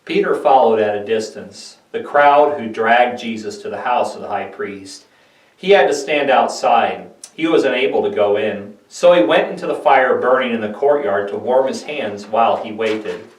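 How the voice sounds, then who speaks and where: A man giving a solemn, deliberate scripted dramatic narration of scripture, like a pastor reading. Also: mid-range voice. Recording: echoey room, distant microphone.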